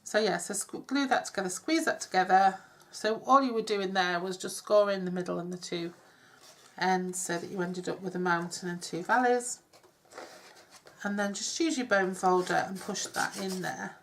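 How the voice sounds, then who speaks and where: A middle-aged woman with a cold, chatting her way through a craft demonstration with soft, self-deprecating asides. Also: mid-range voice, normal speed. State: congested with a cold. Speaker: craft tutorial host. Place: home craft table. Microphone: overhead camera on hands, speaker off-screen.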